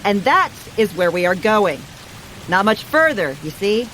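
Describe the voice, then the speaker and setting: An actress playing a world-weary, evasive underworld dweller in an audio drama, with a dry, sardonic and understated manner. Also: female voice, medium pitch, big pitch swings, unhurried, fairly bright tone, a little hiss or hum, poor audio. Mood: wry explaining. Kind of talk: scripted audio drama acting.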